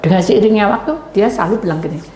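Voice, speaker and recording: A woman pastor with a Javanese accent, preaching a sermon as animated storytelling that addresses the congregation. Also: mid-range voice, quick pace. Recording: echoey hall with faint noise.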